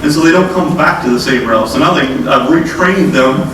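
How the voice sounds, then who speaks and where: A man's voice: fairly high pitch, animated, normal speed. A man presenting to a conference audience, talking directly and casually to the crowd, with a cold that is wearing his voice down. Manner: folksy, direct, addresses audience as folks. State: has a cold, losing his voice. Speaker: state transportation official. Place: conference room. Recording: echoey hall, distant mic, noisy.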